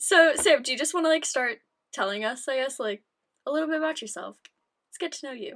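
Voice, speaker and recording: Speaking in an American accent, the voice races at a very fast pace with lively intonation and big swings in loudness. Long, frequent pauses break up the speech. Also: woman, high pitch for a woman. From Seattle area, US Pacific Northwest. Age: 20s. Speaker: podcast co-host, university student. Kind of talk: casual chat.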